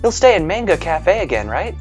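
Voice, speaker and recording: A man voicing a frail, gentle young woman patient in a game, speaking softly and hesitantly. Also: high voice, sing-song, a little fast, faint music behind, pitched above the performer's own voice. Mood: timid, polite. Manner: soft, hesitant and polite.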